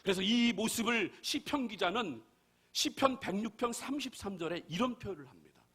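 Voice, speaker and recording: High, lively-voiced male pastor preaching. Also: normal speed, slightly rough. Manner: emphatic preaching with rhetorical questions to the congregation. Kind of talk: sermon.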